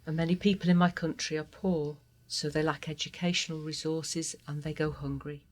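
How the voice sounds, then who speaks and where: A woman's voice: deep voice, steady tone. Earnest trans woman from Guatemala. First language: Spanish. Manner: earnest, heartfelt, measured. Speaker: interview guest. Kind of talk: personal testimony interview.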